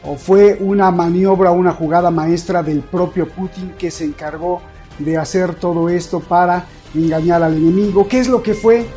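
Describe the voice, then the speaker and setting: A man's voice: high-pitched, steady tone, normal speed, mellow, faint music behind. A male host opening a news analysis show who throws a long string of questions at his guest. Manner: asks a long run of rhetorical questions.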